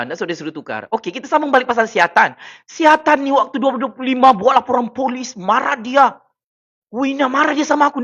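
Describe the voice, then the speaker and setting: High, bright mocking Sabah Malay man. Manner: taunting, loud bursts and frequent exclamations. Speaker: political commentator streaming to viewers. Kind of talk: mocking livestream rant. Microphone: personal microphone at a desk.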